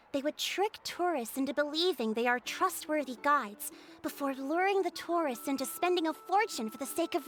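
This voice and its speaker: A courteous, formal tribal chief. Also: female voice, high-pitched. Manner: polite, measured, formal storytelling. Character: gracious tribal chief woman, composed and diplomatic. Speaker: tribe chief. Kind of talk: video game voice acting.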